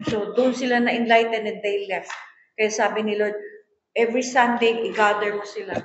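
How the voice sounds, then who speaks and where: A woman's voice: medium pitch, steady tone, normal speed. A woman pastor preaching a sermon, switching between languages and telling stories with voiced quotes. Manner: mixes Tagalog and English, tells stories and acts out quoted voices. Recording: echoey room, dull lo-fi sound.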